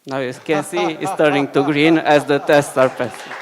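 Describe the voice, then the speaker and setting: A man giving a short conference talk and live software demo, often halting and restarting phrases. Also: on the high side, steady tone, a crowd in the background. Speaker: conference speaker. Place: conference hall.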